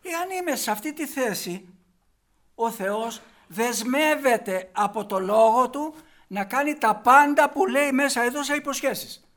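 A man's sermon comes in a very high voice with lively intonation, forceful and full of rhetorical questions directed at his listeners. Quiet asides give way to loud returns whenever he drives home a key point.

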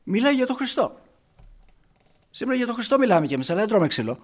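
A man's voice: very high-pitched, sing-song. A man preaching a sermon, retelling a Bible passage with frequent rhetorical questions. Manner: retells scripture with constant "he says", rhetorical questions.

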